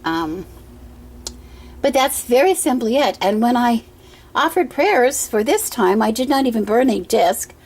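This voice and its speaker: A middle-aged woman with a hoarse voice from a cough, talking at home in a casual show-and-tell vlog, gentle and meandering with many ums and pauses. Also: a little high, sing-song. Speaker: pagan altar vlogger. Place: indoor room at home with a water feature. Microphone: camera she handles herself.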